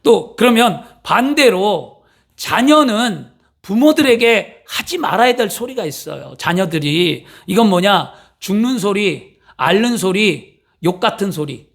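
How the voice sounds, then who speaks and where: High-voiced man preaching a sermon. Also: measured pace, creaky. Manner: animated, acts out quotes, asks rhetorical questions. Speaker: pastor.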